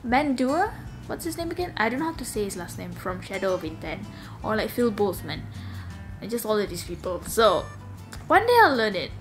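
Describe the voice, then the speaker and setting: A young woman from Malaysia with a slightly raspy, low voice, chatting casually in a sit-down vlog at home, rambling with lots of fillers. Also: very animated, fairly quick, faint music behind. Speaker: vlogger. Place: home room.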